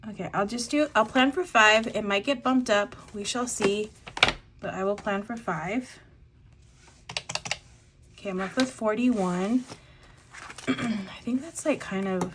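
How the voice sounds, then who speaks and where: Young woman thinking out loud over her cash envelopes, kinda congested, clicks and tapping in the background. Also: mid-range voice, background noise. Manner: chatty, thinks aloud with many fillers. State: congested with a lingering cough. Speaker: budgeting vlogger. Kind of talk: casual voice-over while cash stuffing.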